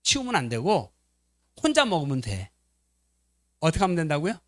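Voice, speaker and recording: A man's voice: fairly high pitch, huge pitch swings, normal speed, fairly bright tone, no room sound, studio quality. A male pastor preaching at a family seminar in a church, telling stories animatedly, acting out quotes and putting questions to the congregation.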